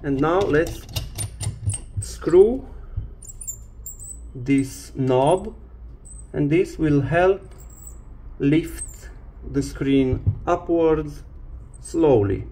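A man presenting a hands-on repair tutorial, explaining step by step in short, halting phrases. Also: fairly high pitch, warm tone. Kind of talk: hands-on instructional demonstration.

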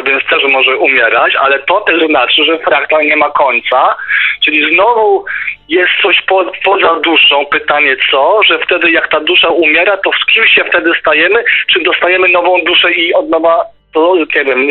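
Male radio discussion guest, middle-aged, fairly high voice, thin telephone sound, halting and repetitive thinker. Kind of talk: casual debate and musing. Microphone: phone or internet call. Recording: tinny phone line, faint music behind.

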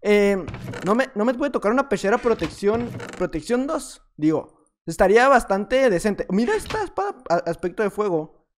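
A man's voice: sits high, animated, normal speed. A man giving casual, playful commentary over his own gameplay. He rambles a little and teases the players he fights. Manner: playful, rambling, teasing opponents. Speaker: gaming video creator.

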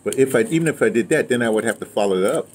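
This seventy-something man, interviewed about his years in audio drama, talks very fast with a medium-pitched voice and lively intonation. He reminisces casually and repeats phrases while telling stories, outdoors on a patio or yard where the background is clearly noisy.

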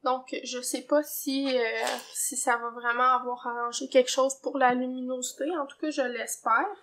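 A woman with a Québécois French accent, hosting a knitting podcast in a relaxed, chatty way with lots of fillers. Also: sits high, normal speed, slight background noise. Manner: chatty, many fillers and hedging tags. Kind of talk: casual chat. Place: home, indoors.

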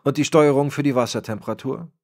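A man's voice: mid-range voice, fast, a little mellow, pitched above the performer's own voice, natural voice. A man voicing a formal, fussy AI assistant program in an audiobook. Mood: puzzled. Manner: precise, formal.

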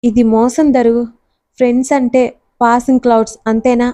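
A woman reading a storybook's teasing young man on a phone call, in a slow, mocking tone. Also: fairly high pitch, level tone, warm tone, close to an everyday voice.

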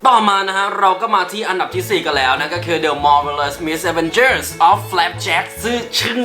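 A man's voice: a little high, measured pace, sharp tone. Casual male vlogger in a roomy, echoey space. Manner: mixes English words into Thai. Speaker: YouTube host counting down favourite cartoons. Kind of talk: casual commentary. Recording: roomy echo, music behind. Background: background music.

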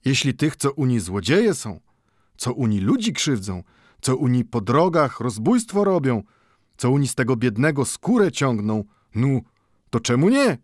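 A man's voice: mid-range voice, sing-song, a little slow, no echo, studio quality, pitched above the performer's own voice. A man voicing an old Jewish bookbinder in an audiobook, speaking broken Polish full of "nu" and growing heated as he pleads. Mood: sly. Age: older.

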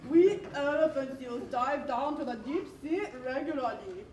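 A woman's voice: high-pitched, a little slow, a little mellow, slight background noise. A woman voicing a friendly, laid-back male elephant seal in a live puppet show. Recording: echoey hall from far off.

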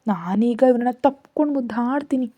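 A woman's voice: fairly high pitch, normal speed, husky, dull audio. Woman voicing a timid young office assistant. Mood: excited. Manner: hesitant, falters over words.

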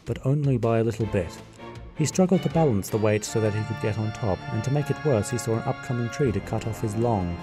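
Man narrating with wry humor. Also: lowish voice. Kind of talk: fan radio play narration.

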